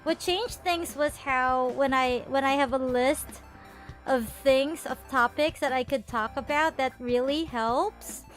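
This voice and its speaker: A woman's voice: high voice, unhurried. A woman streamer chatting casually with her viewers, bubbly and rambling, often restarting her sentences and laughing. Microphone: earphones with a desktop mic. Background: faint background music.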